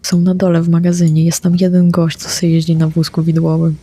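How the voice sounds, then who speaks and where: A woman's voice: on the low side, completely flat delivery, fairly quick, dark tone, slightly rough. A woman playing a tabletop vampire game, speaking bluntly in character and swearing freely. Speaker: player.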